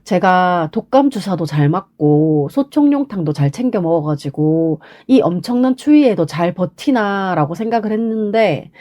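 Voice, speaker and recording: A woman's voice: lowish voice, dark tone. Woman with a stuffed-up nasal voice. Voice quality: heavily congested, stuffed-nose nasal voice. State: has a cold, sniffling and throat-clearing. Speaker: podcast host. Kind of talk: casual solo podcast monologue.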